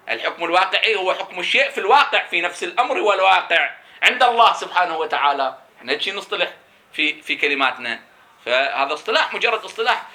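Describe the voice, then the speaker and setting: Guy teaching seminary class, super bright cutting voice, keeps asking and answering himself. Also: a little high. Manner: emphatic, explaining with rhetorical questions; repeats key terms slowly for emphasis. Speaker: teacher of Islamic jurisprudence. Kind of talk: seminary lecture.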